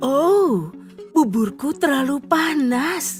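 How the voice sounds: A female-sounding, put-on character voice speaks very slowly and softly at a high pitch. Clear music plays in the background.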